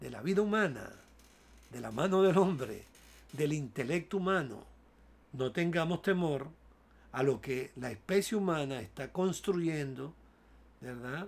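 Intonation is lively, with big swings in loudness. Long, frequent pauses break up the speech. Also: man, fairly high pitch for a man. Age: 60s. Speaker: former finance minister and professor. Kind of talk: interview. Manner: hesitant, repeats words.

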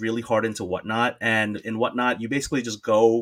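A man speaks in an unremarkable speaking voice. The recording is very clean, with a silent background. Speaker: hobby content creator. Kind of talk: casual interview.

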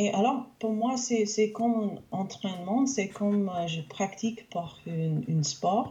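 Intonation is lively while the delivery stays very slow. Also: woman. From Canada. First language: English (speaking French). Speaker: English teacher and language learner. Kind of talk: interview. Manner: halting, many hesitations.

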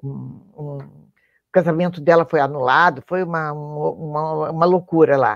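A woman's very deep, low pitch, with fairly even intonation, big swings in loudness and a fairly slow pace. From southern Brazil, Rio Grande do Sul (Bagé, Porto Alegre). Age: 70s. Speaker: veteran journalist. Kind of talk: casual interview chat. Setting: remote call from her home office.

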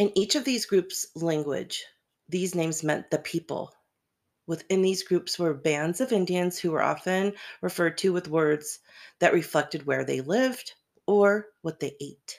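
On a very clean recording with a silent background, a woman with an American accent speaks at a fairly slow pace in a fairly low voice with ordinary pitch variation. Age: 50s. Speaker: podcast host and spiritual guide. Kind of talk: reading aloud. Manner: halting.

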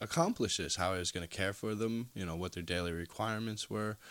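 A man's ordinary speaking voice, fairly low in pitch, with ordinary pitch variation. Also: very clean recording, silent background. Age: 30s. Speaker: reptile rescue co-owner. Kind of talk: casual interview.

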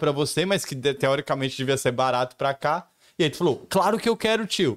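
A man with a plain, everyday voice, a fairly quick pace and ordinary pitch variation, on a very clean recording with a silent background. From Minas Gerais, Brazil; Brazil, living in London. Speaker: podcast host. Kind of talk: casual chat.

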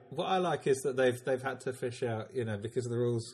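Against a quiet background, a man speaks with a dark, mellow tone and a somewhat breathy quality. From Somerset, England. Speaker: political podcast co-host. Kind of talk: casual political chat.

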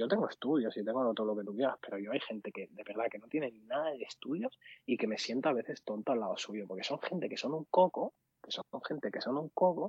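A man's medium-pitched voice at a very fast pace, full of lively intonation. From Mataró, Catalonia, Spain. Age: 20s. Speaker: engineer. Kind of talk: interview. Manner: casual, filler-heavy.

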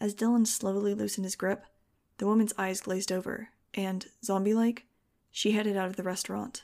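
A woman's dark, mellow voice, monotone and flat, at a fairly quick pace in a very clean recording with a silent background. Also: medium pitch for a woman. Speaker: podcast host reading a novel aloud. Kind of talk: audiobook-style reading with host commentary. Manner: casual, friendly, informal.

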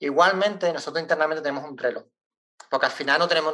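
Speaking at a very fast pace in an Andalusian accent, a man has a fairly high pitch, a bright, sharp tone and ordinary pitch variation. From Andalusia, Cádiz. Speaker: software developer. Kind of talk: webinar talk.

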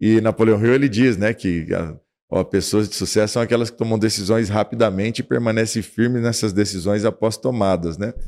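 A man's fairly low voice, an ordinary speaking voice, at a fairly quick pace with hardly any pauses and fairly even intonation, on a very clean recording with a silent background. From Brazil, interior of São Paulo state. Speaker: leadership trainer. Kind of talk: interview conversation.

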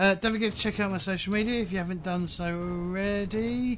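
The speaker has a British accent. The pace is fairly quick. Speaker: game master running the tabletop RPG stream. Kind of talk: casual banter while running an online tabletop roleplaying game. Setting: online livestream. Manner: rambling, filler-heavy, jokey, swears often.

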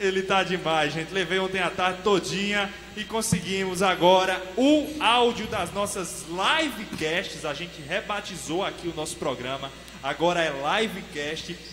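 A man talks in a high pitch at a fairly slow pace. Audible room echo and noticeable background noise surround him. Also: ordinary pitch variation. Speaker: podcast co-host. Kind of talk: casual chat. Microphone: too quiet.

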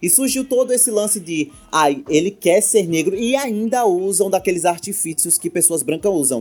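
High-pitched for a man, his tone animated, he speaks at a moderate pace with lively intonation. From Brazil, Northeast. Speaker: podcaster. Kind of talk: casual chat.

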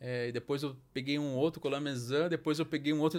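At a fairly quick pace, a man with a fairly high pitch uses a normal speaking voice with ordinary pitch variation, in a very clean recording with a silent background. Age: 30s. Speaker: professional orchestra violinist. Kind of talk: casual interview.

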